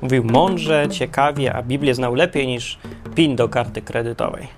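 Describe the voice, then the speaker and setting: A man narrating a parable in a wry, deadpan storytelling manner. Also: medium pitch, normal speed, over music. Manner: wry, deadpan humor with self-corrections.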